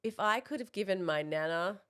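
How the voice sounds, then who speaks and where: A woman's voice: mid-range voice, animated, brisk, fairly bright tone, clean tone. Earnest woman, reflective. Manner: earnest, reflective, lots of "like" fillers. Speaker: podcast co-host. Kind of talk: casual chat.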